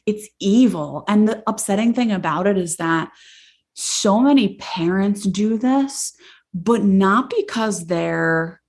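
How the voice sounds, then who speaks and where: Woman therapist on a podcast, fired up and loud, lots of vocal fry. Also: on the low side. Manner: passionate, voice carries loudly. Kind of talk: casual podcast talk.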